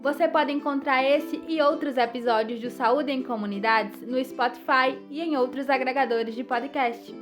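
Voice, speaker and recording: A woman's voice: sits high, normal speed, few pauses. A Brazilian woman presenting a podcast in scripted narration. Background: background music.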